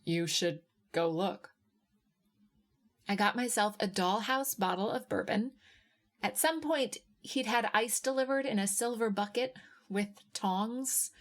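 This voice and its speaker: A woman narrating a first-person literary short story in a measured, expressive way with deliberate pauses. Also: medium pitch.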